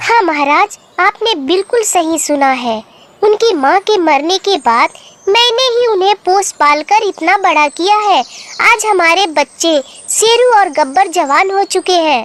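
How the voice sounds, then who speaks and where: A cartoonish character voice that sounds female speaks at a moderate pace and an extremely high pitch. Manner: warm, affectionate.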